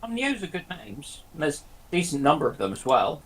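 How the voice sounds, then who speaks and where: A man with a slightly high voice talks as a panel guest. His delivery is that of informal, unscripted discussion among acquaintances. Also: big pitch swings, a little fast, a bit bright, slightly rough, low-quality recording. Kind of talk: casual discussion.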